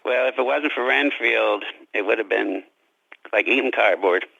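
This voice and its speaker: A man with a heavily creaky, low voice speaks as an interview guest. He is courteous and a little formal, often self-deprecating. The sound is dry and band-limited like radio, with music behind. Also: moderate pace, bright, forceful tone, no room sound, muffled recording. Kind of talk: conversational interview.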